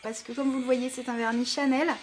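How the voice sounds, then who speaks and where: A woman's voice: sits high, steady tone, brisk. A woman with a French accent reviewing make-up gifts in a casual, enthusiastic chat full of fillers. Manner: enthusiastic, chatty, many fillers. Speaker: beauty vlogger.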